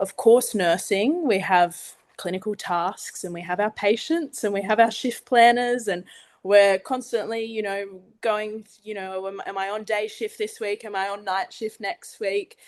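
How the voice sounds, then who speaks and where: Delivered with an Australian accent, the speech moves at a fairly slow pace with ordinary pitch variation. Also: woman, medium pitch for a woman. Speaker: nursing student. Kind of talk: webinar talk.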